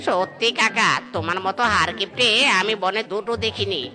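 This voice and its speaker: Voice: medium pitch, moderate pace, sharp tone, soft background music. An actor voicing a cheeky, sarcastic animal market vendor in a comedy cartoon, calling out and talking back in exasperation. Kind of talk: Bengali comedy cartoon dialogue.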